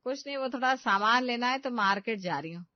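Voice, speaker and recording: This is a stingy, scolding mother-in-law from an animated family story, voiced by a woman. She talks loud and bossy, cutting others short. The sound is dry and a little dull. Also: on the high side, fast, dry recording, pitched above the performer's own voice, natural voice. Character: sharp-tongued stingy older mother-in-law.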